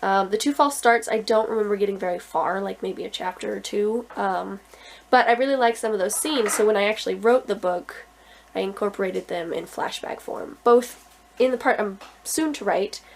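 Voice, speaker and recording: A woman's voice: mid-range voice, normal speed, gravelly, a little hiss or hum. A young adult woman with a stuffy, congested voice, talking casually about her writing and thinking aloud with lots of ums. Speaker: author vlogger.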